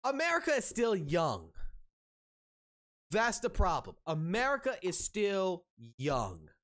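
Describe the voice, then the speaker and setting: A man's voice: sits high, wildly swooping pitch, slow, a bit bright. A man in his thirties ranting on stream in an open discussion, heated and profane, restarting his sentences often. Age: 30s.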